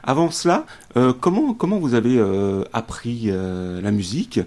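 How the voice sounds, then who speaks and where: Man, radio interviewer, average pitch, conversational, hesitant phrasing with repeated words. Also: expressive, a little mellow. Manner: halting, repeats words as he forms questions.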